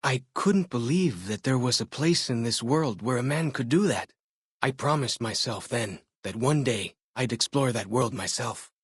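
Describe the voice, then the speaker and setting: A man playing an earnest, curious young tribal scout in a video game, plain-spoken and measured, telling things in short phrases. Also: mid-range voice, animated, slightly rough. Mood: wistful. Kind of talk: video game character dialogue.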